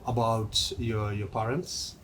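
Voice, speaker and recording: A man's voice: lowish voice, flat delivery, slow pace, a crowd in the background, low-quality recording. A man hosting a casual interview, asking long, rambling questions full of fillers.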